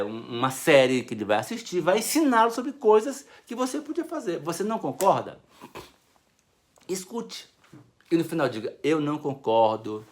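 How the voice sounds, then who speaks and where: A Brazilian-accented man delivers a teaching talk on family communication. His voice rises and falls with lively, expressive intonation. He speaks casually and slips into short acted-out exchanges. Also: sits high. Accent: Brazilian Portuguese. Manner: animated, conversational, acts out little dialogues.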